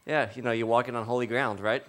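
A man preaching informally through personal testimony, with a halting, conversational delivery. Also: mid-range voice, steady tone, fairly bright tone.

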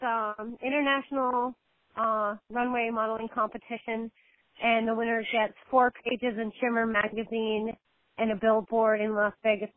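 A woman calling in as a podcast guest, her voice squeezed through a tinny phone line. She talks in a friendly, giggly way, pausing with ums and likes. The sound is dry, with no room around it. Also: fairly high pitch, no room sound. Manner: giggly, friendly, with hesitant fillers. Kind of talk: casual interview chat.

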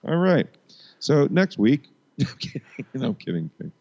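A man's voice: mid-range voice, big pitch swings, moderate pace, darkish tone. A man co-hosting a podcast in casual chat, joking and rambling with restarts, on dull lo-fi sound. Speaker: podcast co-host.

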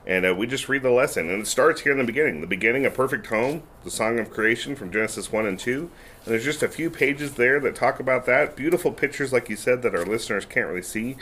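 A man's voice: medium pitch, expressive, fast, a bit bright. Male church co-host, easygoing and affirming, faint hiss under the voice. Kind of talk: casual chat.

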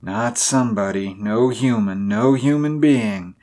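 An ancient, fearful old man from a Southern tale, as a male narrator plays him. He mutters in a mellow voice and rambles slowly, as if his mind drifts toward mumbling. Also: lowish voice, close to an everyday voice. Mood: secretive, fearful.

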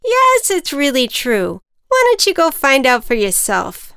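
A woman's voice: sits high, wildly swooping pitch, unhurried, vocal fry, fairly bright tone, dry recording, studio quality, voice pushed up, heavily acted. A woman voicing a sassy, pushy little ant who teases and coaxes, in a read-aloud storybook. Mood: needling. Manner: sassy, needling, persuasive.

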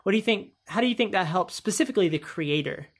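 A woman's voice: medium pitch, expressive, fast, breathy edge. A woman hosting a casual interview podcast, asking questions and encouraging her guest. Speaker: podcast host.

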